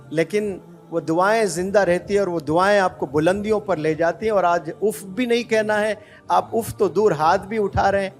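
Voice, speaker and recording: Impassioned high-voiced male preacher. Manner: impassioned, exhorting, rhetorical questions. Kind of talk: emotional Islamic sermon.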